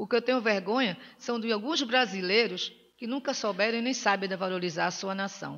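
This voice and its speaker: A woman's fairly high pitch at a fairly quick pace, with ordinary pitch variation. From Northeast Brazil. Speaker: spiritist lecturer. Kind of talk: spiritual talk.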